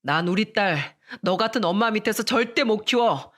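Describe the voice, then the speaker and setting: Woman acting furious husband, shouting, curt, story radio drama. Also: mid-range voice, animated, normal speed. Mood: angry. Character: angry younger husband, man in his thirties.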